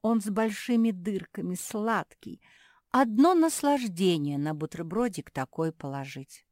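A dreamy, food-loving creature girl from a storybook, savoring every word, as a woman reader puts her on. She sounds a little higher than plain talk, slow and in a dry close recording. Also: animated, a little mellow, no room sound, lightly acted. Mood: relishing. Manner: relishing, savoring.

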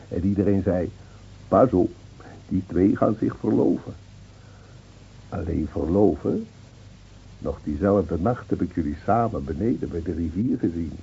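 An actor playing a gentle older village man who reminisces, hesitant and reflective, in a radio drama. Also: deep voice, vocal fry, a little hiss or hum, exaggerated voice. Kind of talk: Dutch radio drama acting. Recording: dull old radio recording.

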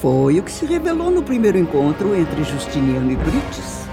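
An actress playing a wronged, bitter woman recounting her past life in a radio soap opera, with emphatic delivery and dramatic pauses. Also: low voice, wildly swooping pitch, over music, heavily acted.

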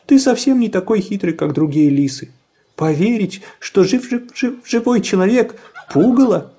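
A man's voice: very high-pitched, moderate pace, mellow, husky, voice pushed up, full character voice. A man voicing a small fussy young hen in a storybook, with a stammer on chirping syllables. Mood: chirpy scolding.

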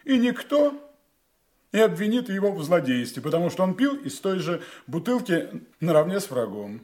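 An actor playing a suave, menacing secret agent in an audio drama, sly and mockingly courteous in a theatrical way. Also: male voice, high-pitched, very animated, normal speed, darkish tone, slight background noise. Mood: mocking triumph. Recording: music behind the voice.

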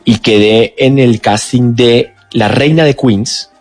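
A man from Colombia, an actor in his forties, chatting in a relaxed way on a radio interview, with many restarts. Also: medium pitch, slow, soft background music. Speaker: guest actor. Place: radio studio.

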